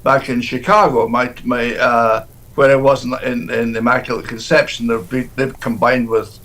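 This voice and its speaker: A man, a deacon, answering interview questions in a halting way, often restarting and repeating words. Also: medium pitch, little pitch movement, fairly bright tone, poor audio.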